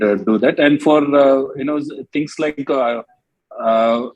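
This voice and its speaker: A man with an Indian accent speaking as an executive answering questions on an earnings call in a hesitant, halting way. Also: medium pitch, breathy edge, no room sound, poor audio. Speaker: hospital company executive.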